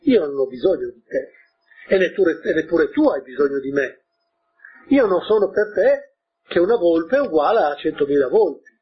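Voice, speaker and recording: A man voicing a lonely, wise female fox from a storybook, in a husky voice with an earnest reading manner. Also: a little high, very animated, normal speed, dull audio, exaggerated voice.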